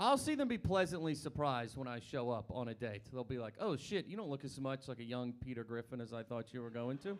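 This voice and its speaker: Talking at a very fast pace with an American accent, a man shows ordinary pitch variation. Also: medium pitch for a man, hardly any pauses. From US South, Montgomery, Alabama. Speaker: stand-up comedian. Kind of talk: stand-up. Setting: stage with audience.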